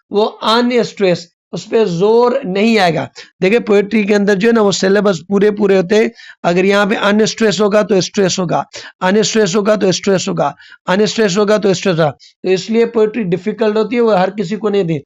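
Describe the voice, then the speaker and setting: Man teaching poetry rhythm, stretched examples. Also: high-pitched. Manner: drawn-out stressed example words. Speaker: literature teacher. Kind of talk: explanatory lesson.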